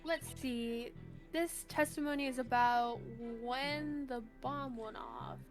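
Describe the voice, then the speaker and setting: A woman's voice: sits high, slow pace. A woman co-hosting a let's play, bantering casually and reading game dialogue aloud. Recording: clear game music behind. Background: video game music.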